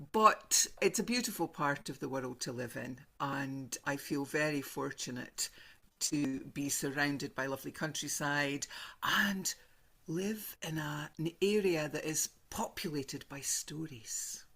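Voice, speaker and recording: Low slow Northeast Scots woman in her sixties. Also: vocal fry, fairly bright tone. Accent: Northeast Scots (Doric). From northeast Scotland. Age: 60s. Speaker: storyteller guest. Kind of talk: casual interview talk.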